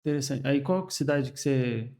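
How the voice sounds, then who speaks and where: A man's voice: medium pitch, normal speed, darkish tone. A man from Brazil with a Brazilian Portuguese accent, a curious, chatty podcast host who talks with lots of fillers. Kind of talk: conversational interview.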